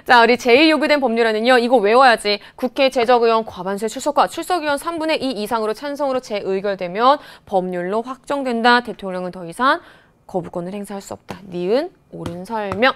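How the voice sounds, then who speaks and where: A woman teacher in her thirties giving an exam explanation lecture, chatty and animated, often mimicking her students. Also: fairly high pitch, brisk, clear, resonant tone. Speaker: high school teacher. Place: studio.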